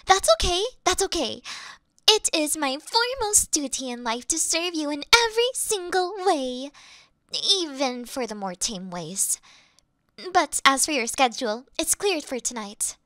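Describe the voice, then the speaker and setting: A woman voicing a flirty yandere female demon familiar who speaks to her mistress in a soft, adoring, sweetly fanatical way. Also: sits high, very animated, measured pace, no room sound, heavily acted. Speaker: voice actress in audio roleplay. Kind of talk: scripted audio roleplay.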